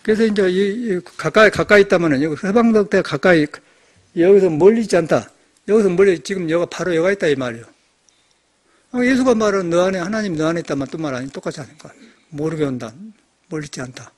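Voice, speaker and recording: An older man, a Buddhist monk, giving a lively, storytelling sermon in a temple hall. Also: high-pitched, fast. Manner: animated storytelling, acting out shouted quotes.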